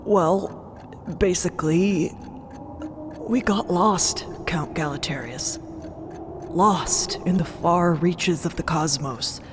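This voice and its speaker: A woman's voice: deep voice, slight background noise. A woman voicing a sheepish male chamberlain explaining himself formally and hesitantly in a fiction podcast. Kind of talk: narrated fiction podcast character acting.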